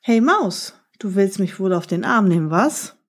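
A woman's voice: medium pitch, animated, unhurried. Woman doing a sly, smug storybook fox. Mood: teasing. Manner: mocking, needling questions. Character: sly teasing male fox, big and smug.

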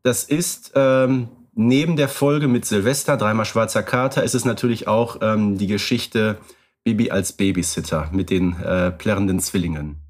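A man co-hosting a podcast, chatting in a relaxed conversational way with occasional fillers. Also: on the low side, moderate pace. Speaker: podcast co-host. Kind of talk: casual podcast chat.

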